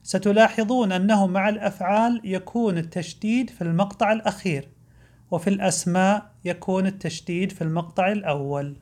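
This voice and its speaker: A man narrating a scripted language lesson in a clear, explanatory way. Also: high-pitched, a little fast, a little mellow. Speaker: language teacher.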